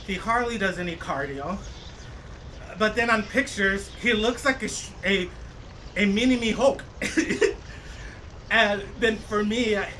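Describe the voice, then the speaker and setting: A man in his late thirties, a streamer casually chatting with viewers while cycling and gaming, rambling and halting with many fillers. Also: high voice, bright, forceful tone, a little hiss or hum. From United States.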